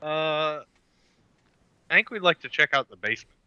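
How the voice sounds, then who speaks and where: A man's voice: fairly high pitch, expressive, normal speed, pushed and bright, clear, resonant tone, no echo, dull audio. A man playing a tabletop game, speaking directly and reasoning through plans aloud. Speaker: player. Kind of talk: tabletop game play, casual chat.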